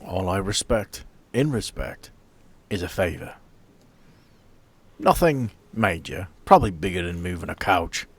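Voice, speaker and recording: A man voicing a friendly, courteous stranger in a tabletop game, smooth-talking and folksy as he offers a deal. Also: deep voice, animated, measured pace, no room sound, exaggerated voice. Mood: smooth, persuasive. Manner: genial, folksy, courteous salesman patter.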